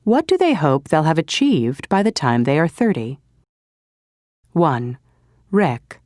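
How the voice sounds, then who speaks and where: Slow, low-voiced woman announcing exercises. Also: sing-song, darkish tone, dry recording, clean studio sound. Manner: measured, announcing. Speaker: narrator. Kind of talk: reading exercise titles.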